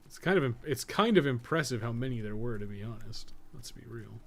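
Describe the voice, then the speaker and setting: A man's voice: medium pitch, lively intonation, brisk, a bit bright, slight background noise. A man doing casual live gameplay commentary, thinking aloud and swearing freely as he plays. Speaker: game streamer and guide writer.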